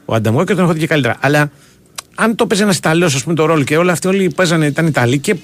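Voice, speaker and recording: A man's voice: on the high side, animated, dry recording. Rambling man on radio chat. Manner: rambling, digressive storytelling with many fillers. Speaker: radio sports show co-host.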